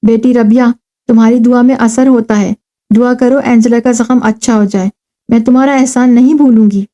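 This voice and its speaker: Anxious doting mother, read by a woman, pleading and fretful, raised pitch. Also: steady tone, dark tone, lightly acted.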